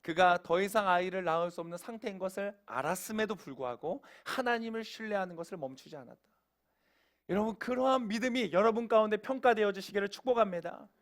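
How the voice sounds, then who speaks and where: A man's voice: high voice, fast. A man preaching a sermon as pastor. He asks the congregation questions and acts out quoted voices in everyday speech.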